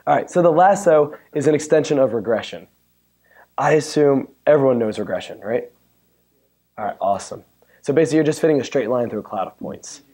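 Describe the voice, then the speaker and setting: A man with a hoarse, worn-out voice giving a chatty, joking technical talk at a conference and bantering with the audience. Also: mid-range voice, expressive, a little fast, warm tone. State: hoarse, losing his voice. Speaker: conference speaker. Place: conference room. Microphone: handheld or stand mic.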